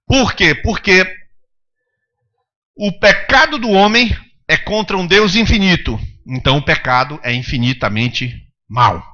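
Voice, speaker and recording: A man's voice: high voice, lively intonation, unhurried, long pauses, bright, forceful tone, muffled recording. A male pastor preaching a sermon, emphatic, pressing the congregation with rhetorical questions.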